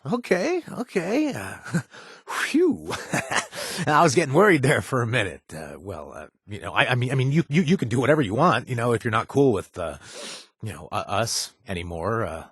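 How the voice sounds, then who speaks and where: An actor voicing a gentle, awkward ex-raider companion in a video game, talking haltingly with many fillers and restarts. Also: male voice, medium pitch, breathy edge, dry recording, studio quality. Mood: flustered. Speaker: companion character.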